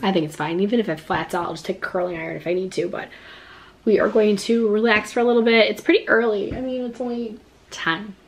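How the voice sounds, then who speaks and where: A woman's voice: mid-range voice, steady tone, fast talker. Thirties mom talking to her camera in the kitchen, kinda stuffy and coughy, says like a lot. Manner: chatty, lots of "like" fillers. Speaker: vlogger. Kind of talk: casual chat to camera. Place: home kitchen, indoors. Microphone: camera at close range.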